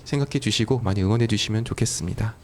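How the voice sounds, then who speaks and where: A man's voice: lowish voice, rapid-fire, a little mellow. A man in his thirties speaking earnestly on a political panel, with many filler words. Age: 30s. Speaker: young panelist, organization head.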